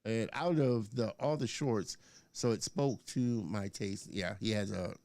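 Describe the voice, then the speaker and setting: A man's voice: fairly low pitch, lively intonation, unhurried, a little mellow, no echo. A man hosting a live interview show, upbeat and chatty, with lots of filler words as he reads out viewer comments. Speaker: host.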